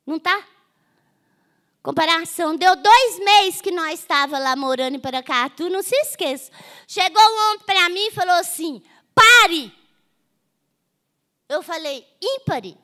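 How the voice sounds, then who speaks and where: High bright older woman, Minas Gerais accent. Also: moderate pace. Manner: humorous, keeps asking "não é?". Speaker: guest author. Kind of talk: folksy storytelling on a festival panel.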